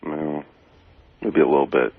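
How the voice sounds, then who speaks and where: A man's voice: a bass voice, steady tone, unhurried, dry recording. A man bantering casually on a radio show in a teasing manner. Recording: muffled, noisy radio recording.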